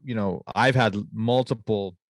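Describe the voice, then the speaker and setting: A young adult man hosting a podcast interview. He talks reflectively, paraphrasing his guest and working in quotes, recorded on a boom-arm studio mic in an office studio. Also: steady tone, measured pace, no echo. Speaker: podcast host, physician.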